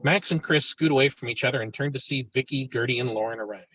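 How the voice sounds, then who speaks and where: A man's voice: medium pitch, fast, fairly bright tone, no room sound, muffled recording. A man reading stage directions as narrator in a virtual table read of a film script.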